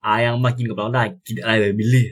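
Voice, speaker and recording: A young man commentating as he plays a visual novel, excitable and swearing, sometimes stumbling over words. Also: lowish voice, very fast. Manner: excitable, yelps and swears at scares; reads game lines aloud, stammering. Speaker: gameplay streamer. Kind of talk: casual let's-play commentary.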